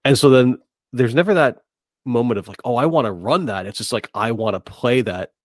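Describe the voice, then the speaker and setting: A man's voice: mid-range voice, fairly quick, no echo, studio quality. A middle-aged man in casual podcast discussion, hesitant and repeating words as he works out his thoughts. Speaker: podcast host. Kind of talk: casual discussion of tabletop gaming.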